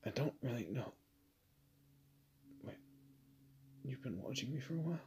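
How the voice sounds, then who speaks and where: A man playing a weary, wry kidnapped guy in a roleplay audio drama, speaking haltingly and conversationally. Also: medium pitch, lively intonation, warm tone, slight background noise, natural voice. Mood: resigned, uneasy. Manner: hesitant, halting, sardonic.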